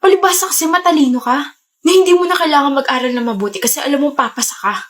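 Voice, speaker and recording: A young woman acting a short-tempered student who snaps and shouts at a friend in a comedy skit. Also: high-pitched, sing-song, unhurried. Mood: irritated shouting. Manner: snapping, shouting, impatient.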